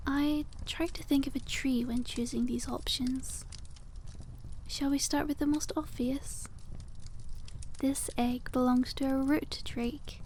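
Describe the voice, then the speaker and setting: Cute young witch shopkeeper, played by a woman for ASMR roleplay: high, soft mellow tone, unhurried, whimsical and genteel, some background noise. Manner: sweet, whimsical, giggly, genteel storybook phrasing. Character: cute, cheerful young witch running a dragon egg shop.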